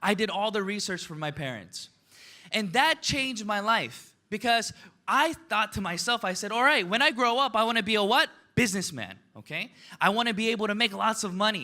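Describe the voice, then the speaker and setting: Recorded very cleanly against a silent background, a man talks fairly quickly in a raised, projected voice that is animated, high-pitched and bright and sharp in tone, with ordinary pitch variation. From United States, Korean immigrant family. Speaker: network marketing speaker. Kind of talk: motivational seminar talk.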